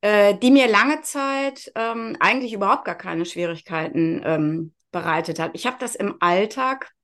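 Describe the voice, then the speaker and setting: A woman in her fifties from near Cologne, telling her personal story openly as a podcast guest, with frequent pauses. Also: mid-range voice, fairly bright tone. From Germany, near Cologne. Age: 50s. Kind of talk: casual interview chat.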